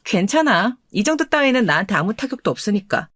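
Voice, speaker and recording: A woman voicing a calm, confident and teasing wealthy wife in a dramatized radio story. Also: mid-range voice, fairly quick, no echo, clean studio sound. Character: rich, self-assured young wife.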